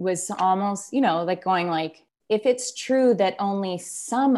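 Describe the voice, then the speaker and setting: A woman's dark, mellow voice with vocal fry and ordinary pitch variation, at a fairly slow pace against a quiet background. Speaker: lead pastor. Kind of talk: casual interview chat.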